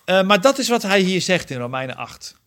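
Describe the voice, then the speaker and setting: Leading an interactive Bible study, this man speaks in a high, fairly bright voice with big pitch swings and a brisk pace. He earnestly works through scripture verse by verse, correcting himself and frequently asking the group questions.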